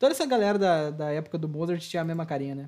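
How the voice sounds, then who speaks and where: A man speaks at a very fast pace in a dark, mellow tone with ordinary pitch variation. The recording is very clean, with a silent background. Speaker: solo podcaster. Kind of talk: casual solo podcast monologue. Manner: hesitant, filler-heavy.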